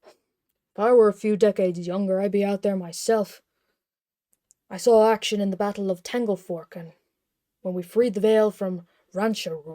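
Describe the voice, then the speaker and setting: In a put-on character voice, a woman growls in a gruff, medium-pitched tone at a moderate pace, with fairly even intonation, long, frequent pauses and big swings in loudness. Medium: solo performance. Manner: gruff, growling.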